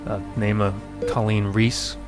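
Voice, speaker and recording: An uneasy police detective played by a man in a radio drama. He has a low voice and talks slowly, stumbling apologetically, with music behind him. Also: level tone, close to an everyday voice. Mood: awkward, uneasy. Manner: halting, full of uneasy hesitations. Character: awkward, apologetic police detective reporting a crime. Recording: music under the voice.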